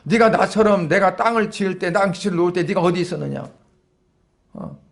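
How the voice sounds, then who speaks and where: A stern God , given voice by a male preacher who rebukes with question after question. The tone is high and gravelly, quick and pressing. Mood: rebuking.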